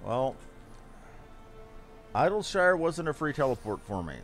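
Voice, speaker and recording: Animated higher-pitched man streaming a game. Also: measured pace, soft background music. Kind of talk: casual gaming commentary.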